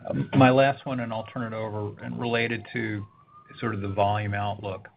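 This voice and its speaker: A male financial analyst with a fairly low voice asks wordy, roundabout questions on an earnings call. The line sounds dull, with faint noise behind him. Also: little pitch movement, moderate pace, gravelly. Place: conference call.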